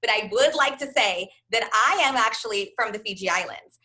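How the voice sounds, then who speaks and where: A woman's voice: a little high, normal speed, bright, forceful tone, poor audio. An American woman speaking as a panelist in a casual motivational chat, with an enthusiastic, encouraging manner. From United States, first-generation Fijian family.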